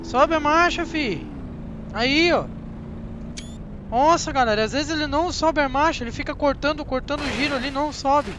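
A young man with a Brazilian Portuguese accent giving chatty, excitable commentary on a driving game straight to his viewers. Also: very high voice, moderate pace, background noise. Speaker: gaming channel host. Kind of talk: casual gameplay commentary.

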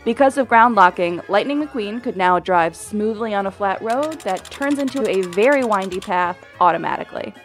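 A woman giving scripted narration for an explainer video, clear and measured. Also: medium pitch, animated, faint music behind.

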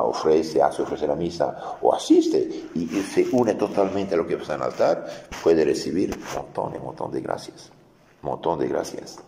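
A low, dark-toned man teaches catechism to adults. He explains patiently and circles back to repeat his main points. His voice rings out into a large hall with a long, roomy reverb. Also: vocal fry. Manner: explanatory, repeats key phrases, many restarts.

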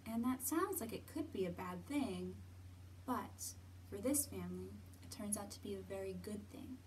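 A woman's voice: medium pitch, slight background noise, poor audio. A woman in her thirties hosting a storytime for young children, speaking expressively as she talks and reads aloud. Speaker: children's library storytime host. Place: library room with bookshelves, indoors.

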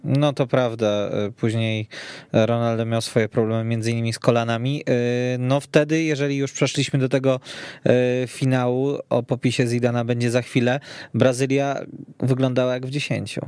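A man hosting a football discussion in a studio, talking in a measured, explanatory way. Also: medium pitch, level tone, a little mellow, clear, resonant tone, dry recording. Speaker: podcast host. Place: radio studio.

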